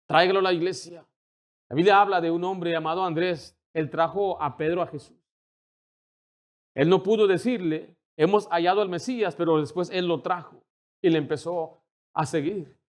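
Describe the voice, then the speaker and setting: High-voiced man preaching a sermon. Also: steady tone, moderate pace. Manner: preaching with rising intensity, acting out quoted dialogue. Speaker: pastor.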